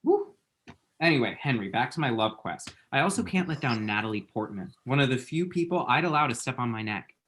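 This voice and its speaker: A man's voice: medium pitch, expressive, fairly quick, fairly bright tone, slight background noise, close to an everyday voice. A man acting a flamboyant, chatty young gay man with a theatrical, sassy delivery in a comedy table read. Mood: sassy, playful.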